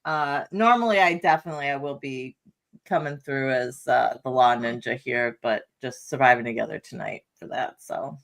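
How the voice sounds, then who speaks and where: A woman's voice: rumbling low, moderate pace, vocal fry. A woman who runs a legal commentary channel, chatting casually on a livestream, laughing easily and filling her speech with "like" and "um". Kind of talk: casual live chat.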